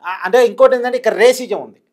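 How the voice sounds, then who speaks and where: A male political analyst explains things in a notably high voice. He moves very fast and drives points home by repeating phrases with emphasis. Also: a little mellow. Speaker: political analyst and senior journalist, guest.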